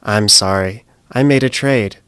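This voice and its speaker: An actor playing a calculating young male schemer in an audio drama, controlled and deadpan. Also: on the low side, measured pace, clean tone, no echo, studio quality. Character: cool, calculating young man, a bluffing schemer.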